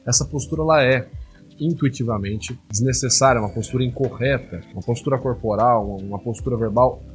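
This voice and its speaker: A man breaks down a debate in quick, casual commentary. He talks fast, animated and indignant, dropping slang and filler words, with faint music underneath. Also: medium pitch. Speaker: host analyzing rhetoric.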